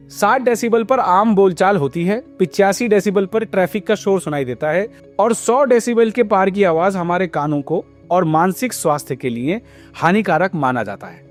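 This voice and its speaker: A man's voice: sits high, darkish tone. A man narrating a scripted news report as a reporter, explaining and posing pointed questions. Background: background music.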